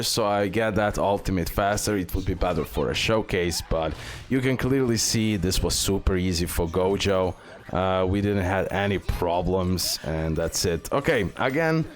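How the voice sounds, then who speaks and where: Low-voiced man commentating gameplay. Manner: repeats words and phrases. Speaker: gaming video creator.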